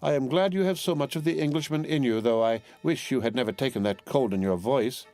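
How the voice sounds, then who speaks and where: A man voicing a fussy, fiercely loyal middle-aged woman servant who talks brisk and emphatic. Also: mid-range voice, darkish tone, dry recording, soft background music, pitched above the performer's own voice, close to an everyday voice.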